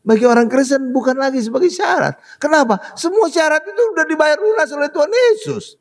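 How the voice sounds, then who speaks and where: A male pastor preaching a sermon in an animated way, exclaiming and often asking the congregation to agree. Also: extremely high pitch, a little fast.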